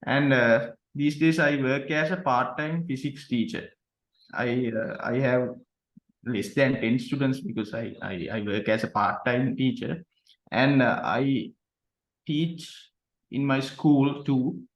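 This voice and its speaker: A man's voice: mid-range voice, slow, reverberant, lo-fi sound. A young man in his twenties from Sri Lanka, giving a nervous self-introduction with repeated words. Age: 20s. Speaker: guest. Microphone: video call.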